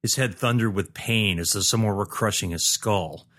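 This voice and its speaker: Guy reading a fantasy story aloud, really low voice, steady and even. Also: normal speed. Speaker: audiobook narrator. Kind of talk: scripted story narration.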